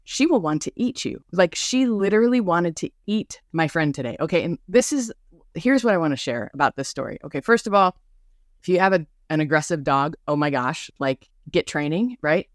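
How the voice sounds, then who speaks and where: A woman's voice: low-pitched, animated, moderate pace, no room sound, clean studio sound. A woman hosting a podcast in a bubbly, chatty monologue full of asides, with a mild speech impediment on some R sounds. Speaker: podcast host. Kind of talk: casual rambling monologue.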